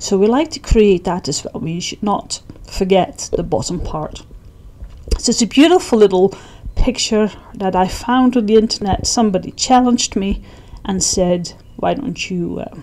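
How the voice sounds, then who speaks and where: Speaking with a Dutch accent at a moderate pace and medium pitch, a woman uses lively intonation and big swings in loudness. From Netherlands. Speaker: hobby stone painter. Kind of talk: tutorial. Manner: casual, some hesitations and repeats.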